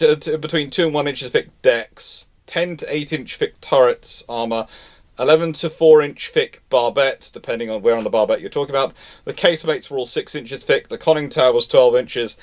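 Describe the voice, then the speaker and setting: A man hosts a casual live panel with an enthusiast's energy. He rambles, often stumbling and restarting his sentences, at a middling pitch. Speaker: host of a live naval history question-and-answer stream.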